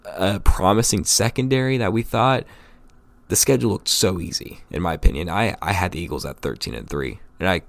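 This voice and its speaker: Man, podcast host, very low voice, gravelly, raspy from a cold, rambling casual talk. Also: brisk, no echo. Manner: casual, rambling, filler-heavy fan opinions. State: getting over a cold, slightly raspy. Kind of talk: solo sports podcast talk.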